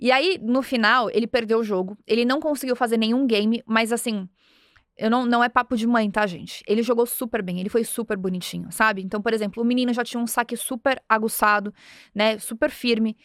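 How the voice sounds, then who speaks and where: A woman from Brazil in her thirties, hosting a podcast and telling a personal story in an earnest, animated way, acting out bits of dialogue. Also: on the high side, brisk, no room sound, studio quality. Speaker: podcast host. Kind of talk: motivational storytelling.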